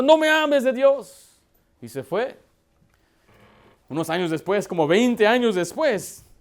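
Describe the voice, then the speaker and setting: A man who is a pastor preaching a sermon, telling family stories and addressing the congregation directly. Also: very high voice. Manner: storytelling with acted quotes and direct address.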